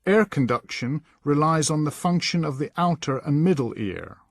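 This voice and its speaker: A man reading scripted instructional narration in a measured, instructing manner. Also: on the high side, animated, gravelly, dry recording. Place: dry voice-over recording.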